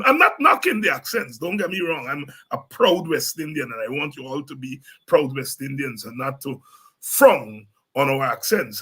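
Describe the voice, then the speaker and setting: A Guyanese man hosting a political talk show, speaking in a relaxed, animated way with laughing asides and frequent restarts. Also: mid-range voice, breathy edge. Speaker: host. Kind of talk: casual political commentary.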